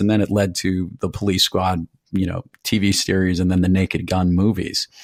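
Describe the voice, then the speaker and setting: A man with a normal speaking voice talks at a fairly quick pace and a fairly low pitch, on a very clean recording with a silent background. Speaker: podcast host. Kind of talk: interview question.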